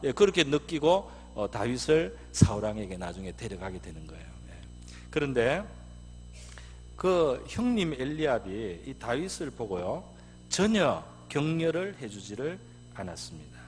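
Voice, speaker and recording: A man's voice: medium pitch, big pitch swings, moderate pace, long reverb tail, a little hiss or hum. A male pastor preaching a sermon, emphatic and peppered with affirming fillers. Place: church sanctuary.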